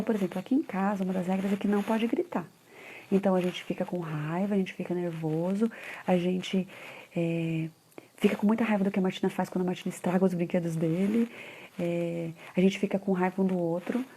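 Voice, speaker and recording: A woman's voice: on the low side, steady tone, fairly quick, mellow, slight background noise. A woman in her thirties, a mother and parenting educator, giving a casual conversational live talk with frequent tag questions.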